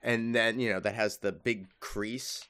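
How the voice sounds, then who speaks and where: A man co-hosting a comedy podcast, riffing in a deadpan, mock-solemn way. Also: fairly low pitch, measured pace, clear, resonant tone. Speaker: podcast co-host. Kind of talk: improv comedy podcast chat.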